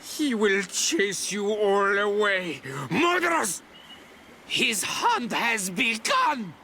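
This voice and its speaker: Old man, tribal mystic, video game, riddling, slow, highly animated pitch. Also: slight background noise, full character voice. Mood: furious grief. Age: older. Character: cryptic old male tribal elder, mournful and fierce. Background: game music under the voice.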